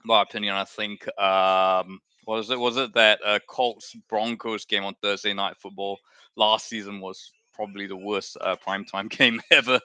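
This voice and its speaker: A man's voice: lowish voice, fairly even intonation, normal speed, pushed and bright, clean tone, no room sound. A man from Malaysia hosting a live watchalong stream, chatting in a rambling, self-correcting way. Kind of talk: casual watchalong chat.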